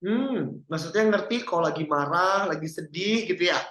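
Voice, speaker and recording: A man's voice: sits high, moderate pace. A man teaching public speaking in an interactive lesson, coaching and quizzing a participant. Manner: lively, coaching, asks the audience questions. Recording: roomy echo.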